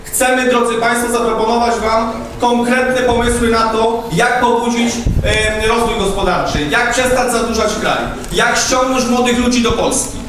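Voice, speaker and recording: A man's voice: very high voice, fairly even intonation, moderate pace, fairly bright tone, far from the mic, slight background noise. A man in his thirties giving a rousing campaign speech, addressing the crowd directly. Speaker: politician warming up a rally. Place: hall with audience. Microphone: podium microphone, far camera. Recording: echoey hall, heard from afar.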